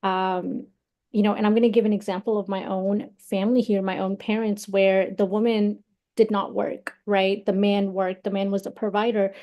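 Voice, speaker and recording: Woman, young adult, from Pakistan, measured, reflective, webinar talk, mellow tone. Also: medium pitch. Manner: measured, reflective, personal examples.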